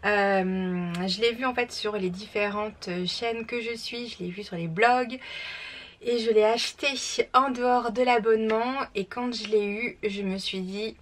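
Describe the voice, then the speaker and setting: A woman's voice: mid-range voice, fairly even intonation, unhurried. A young woman chatting enthusiastically as she unboxes a book subscription box, with frequent fillers. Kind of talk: casual unboxing chat. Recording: slightly distant mic, faint room noise.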